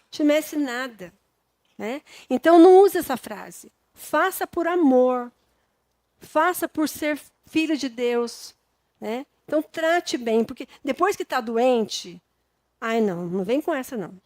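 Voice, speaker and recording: Brazilian woman preacher, high voice, casual sermon tone, dry close sound. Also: expressive, unhurried, darkish tone, dry recording. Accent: Brazilian Portuguese. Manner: conversational and homely, with frequent tag questions.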